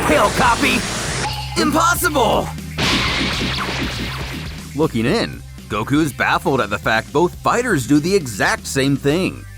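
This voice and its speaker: A man's voice: on the high side, a bit bright. A man narrating a scripted story recap in a theatrical, wordy storytelling manner. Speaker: narrator of a comic recap series.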